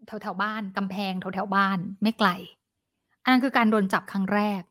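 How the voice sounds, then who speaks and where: A woman's voice: medium pitch, steady tone, brisk, a bit bright. A woman telling a celebrity gossip story in a dramatic, chatty way, acting out the quoted lines.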